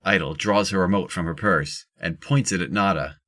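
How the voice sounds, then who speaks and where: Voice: low voice, normal speed, fairly bright tone. A narrator reading scripted descriptions of the action in an audio drama.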